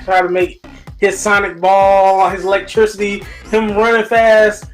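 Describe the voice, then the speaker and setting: Excitable, slangy man with music behind. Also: high-pitched, a little slow. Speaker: movie review co-host. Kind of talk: casual fan review chat.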